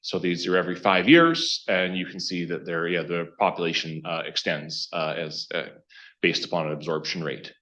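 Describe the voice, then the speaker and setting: Presenting informally to a council as the consultant project lead, a man with a low, pushed, bright voice talks conversationally but haltingly, frequently cutting himself off to restart. The meeting-room microphone renders him dull and band-limited.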